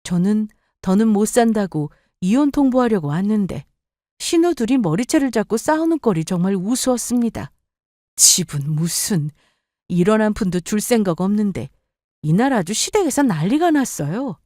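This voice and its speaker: A woman narrating a family story in a steady, storytelling manner. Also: medium pitch, moderate pace, no room sound, studio quality. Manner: even, storytelling. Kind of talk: scripted narration.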